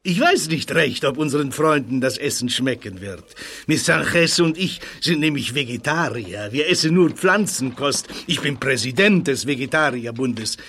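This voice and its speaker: An actor playing a courteous, formal society president in a German audio drama, speaking in a stilted way. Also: male voice, medium pitch, animated, moderate pace, fairly bright tone, slightly rough. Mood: polite, formal.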